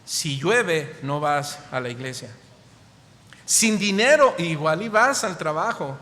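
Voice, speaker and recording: In a church hall with long reverb, a pastor with a Mexican Spanish accent preaches, firing rhetorical questions at the congregation with emphatic rises. His slightly high voice is bright, animated and forceful, and he speaks a little slowly.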